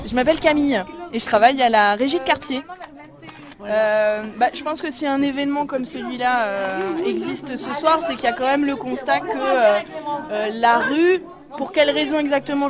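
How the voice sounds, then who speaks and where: A woman who works for a community association, interviewed outdoors at a street market, speaking hesitantly with many pauses and fillers. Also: sits high. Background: crowd chatter.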